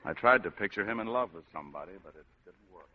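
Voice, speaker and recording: A cynical hard-boiled private eye. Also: male voice, low-pitched, animated, fast, breathy edge. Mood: wry. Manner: wisecracking first-person narration. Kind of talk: 1940s radio acting. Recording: dull old radio broadcast.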